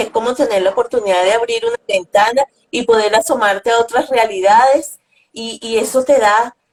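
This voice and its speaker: This woman has an unremarkable speaking voice, pitched fairly high. She talks at a moderate pace with ordinary pitch variation. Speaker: coach and interviewer. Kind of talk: interview conversation.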